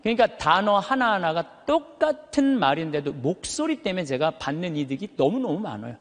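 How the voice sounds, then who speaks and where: A man's voice: very animated, fairly quick. A man, a Catholic priest with a thick, carrying voice, preaching emphatically to a live audience with rhetorical questions. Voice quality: high but thick, full voice that carries. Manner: emphatic, uses rhetorical questions and stretched words for effect. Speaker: Catholic priest giving a lecture. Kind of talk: animated motivational sermon to a live audience. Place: large hall, speaking to an audience. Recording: reverberant hall.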